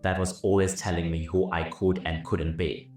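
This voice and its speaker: A man's voice: sits low, little pitch movement, normal speed. A man from Zimbabwe, a business and leadership coach, telling his own life story in an earnest, reflective way. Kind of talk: personal story told over music. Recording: roomy, somewhat distant mic with soft music. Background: soft violin music.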